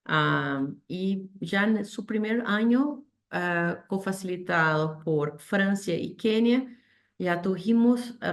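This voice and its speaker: A woman with a low, gravelly voice presents to an online panel over a video call. Spanish is not her first language, and she talks haltingly, full of fillers, restarts and slipped-in English terms. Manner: hesitant, many fillers and restarts, code-switches English terms. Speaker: panel speaker.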